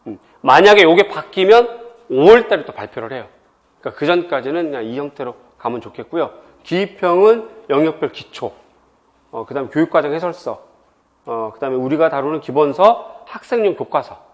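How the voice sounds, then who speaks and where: A man's voice: a little high, brisk. A middle-aged man from Seoul giving an exam prep info session, chatty and full of personal stories. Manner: lively, chatty, tells personal anecdotes. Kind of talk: admissions info session lecture.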